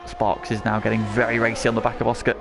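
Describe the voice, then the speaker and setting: A man's voice: lowish voice, little pitch movement, fast talker, gravelly, over music. A man working as lead motorsport commentator on a race, calling the action in short present-tense phrases.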